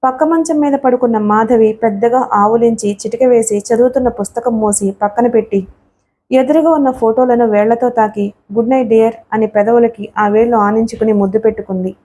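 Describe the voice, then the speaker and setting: Woman audiobook narrator, steady storytelling, highish pitch, mellow tone. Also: fairly quick. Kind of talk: scripted novel narration.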